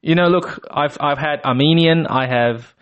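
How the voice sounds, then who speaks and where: Chatty, upbeat interview host. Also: male voice, a little high, moderate pace, clean tone, muffled recording. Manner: chatty and upbeat, stammering restarts, laughs easily. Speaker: podcast host. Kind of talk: casual interview chat.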